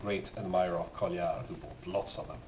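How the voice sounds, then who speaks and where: Low-voiced Swedish man, echoey noisy recording. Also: fairly even intonation. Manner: halting, pausing mid-sentence. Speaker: record collector presenting finds. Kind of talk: casual unscripted show-and-tell. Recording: dull, echoey, noisy amateur room recording.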